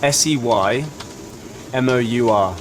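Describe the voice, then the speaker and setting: A man's voice: medium pitch, slow pace, a little hiss or hum, lightly acted. A man playing a young man booking a gym class in a scripted lesson dialogue. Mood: casual.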